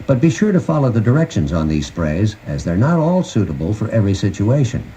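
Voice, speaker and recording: A noisy transfer of a 1990 cassette tape carries the host of a puppy training guide. He reads scripted instructions in a folksy, conversational manner, his fairly low, dark voice brisk and swinging widely in pitch.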